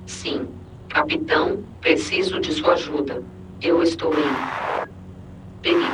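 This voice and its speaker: Through loud noise and from far off comes a female soldier in peril, played by an actress. She delivers her cryptic distress message in broken single words, very slowly, as in a tense radio play. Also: low-pitched. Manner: halting, word-by-word delivery. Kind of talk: audio drama acting. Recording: roomy, distant, very noisy distress transmission.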